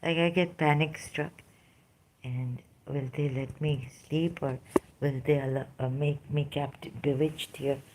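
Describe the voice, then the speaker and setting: A speaker with a Pakistani English accent giving an unscripted personal testimony, hesitant and halting, with frequent fillers and restarts. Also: medium pitch, fairly even intonation, a little mellow, a little hiss or hum, rough recording. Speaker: vlogger sharing personal experience.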